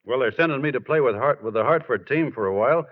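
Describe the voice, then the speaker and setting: An actor playing an earnest, devoted young American ballplayer son, halting and boyish, in 1940s radio drama style on a very muffled old recording. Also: male voice, mid-range voice, animated, natural voice. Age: young adult.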